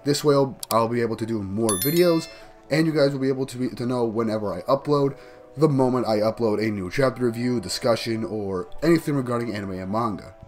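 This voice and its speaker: A man fighting off a cold talks through a manga chapter, his voice a bit groggy and tired. He rambles eagerly and restarts his sentences as he goes. His pitch sits in the middle, and soft music plays quietly underneath. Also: brisk. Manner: enthusiastic, rambling recap with restarts. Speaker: manga review YouTuber. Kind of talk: casual manga chapter review.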